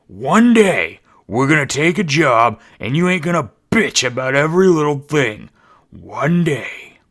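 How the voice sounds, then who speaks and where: A gruff orc warrior with a deep, barking voice, low and loud with a rough edge. Coarse and short-tempered, he growls his commands through an audiobook fantasy tale, as a woman narrator puts him on. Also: slow pace, full character voice. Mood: gruff, irritated. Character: towering gruff male orc warrior leader.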